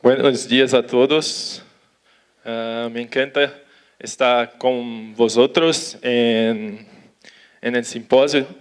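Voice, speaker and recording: A man with a Brazilian accent, a native Portuguese speaker who cannot roll his R, giving an informal conference talk haltingly, mixing in Portuguese words and checking that listeners follow. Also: medium pitch, fairly even intonation, clean tone. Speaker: animal welfare consultant giving a talk.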